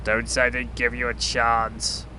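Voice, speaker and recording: A man playing a blunt, deadpan, flippant superhero in an amateur audio drama. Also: unhurried, close to an everyday voice. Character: blunt, flippant male superhero, once a toy bird. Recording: clearly noisy with low rumble.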